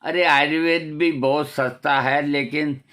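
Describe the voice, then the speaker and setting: A man's voice: a little high, fairly even intonation, measured pace, a bit bright. An older man giving a preachy, scolding talk with rhetorical questions, as a homeopathy vlogger. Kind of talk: moral talk to camera.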